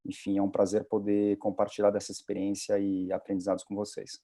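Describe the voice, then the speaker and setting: A low-pitched man with a mellow, dark tone. He speaks evenly with little rise and fall, measured and informative. His voice comes through a video call. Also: monotone. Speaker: panelist, education tech company representative. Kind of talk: self-introduction on a webinar panel.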